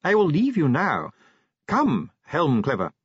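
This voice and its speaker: A man's voice: fairly high pitch, huge pitch swings, breathy edge, no room sound, highs cut off, voice pushed up, heavily acted. A man playing a formal, stiff dwarf official. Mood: guarded. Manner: formal, measured, clipped.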